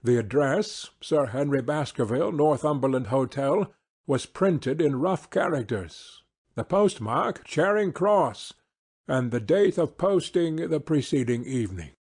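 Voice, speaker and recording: A man narrating a classic novel as an audiobook in a measured, formal reading style. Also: on the high side, animated, darkish tone, breathy edge. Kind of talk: scripted literary narration.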